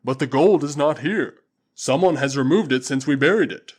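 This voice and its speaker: A man's voice: fairly high pitch, moderate pace, natural voice. A male audiobook reader voicing a proud, loyal tribal warrior who speaks emphatically and respectfully to his master. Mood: puzzled. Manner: emphatic, earnest, deferential. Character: proud loyal African tribesman, warrior servant.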